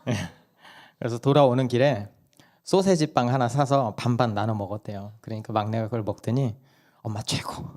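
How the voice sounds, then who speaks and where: A hoarse male pastor giving a sermon at a church service, telling stories and asking the congregation questions. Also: medium pitch, brisk, dark tone. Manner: conversational storytelling, asks the congregation questions.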